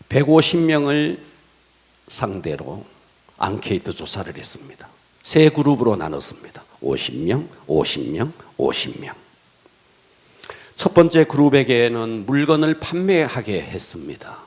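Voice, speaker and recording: A man's voice: lowish voice, measured pace, pauses often. A male pastor preaching a sermon, telling illustrative stories and letting his sentence ends fall to a whisper. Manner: animated delivery, drops to a whisper at sentence ends; tells illustrative stories to the congregation.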